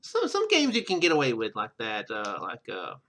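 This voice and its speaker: A man giving casual gameplay commentary in a halting, rambling, self-deprecating way. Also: medium pitch, huge pitch swings, a bit bright. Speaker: let's player. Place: indoor room at home.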